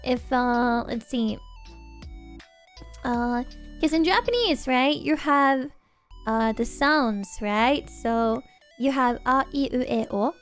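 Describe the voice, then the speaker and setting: Young female streamer, high and bright voice, chatty and giggly, close-miked, faint music behind. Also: slow, pauses often. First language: Norwegian. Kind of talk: casual livestream chat.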